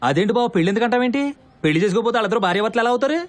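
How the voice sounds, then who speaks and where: Nosy complaining relative, film comedy: high voice, rapid needling chatter. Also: male voice, animated. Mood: indignant. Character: nosy, grumbling, show-loving male wedding relative. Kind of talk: Telugu film comedy dialogue.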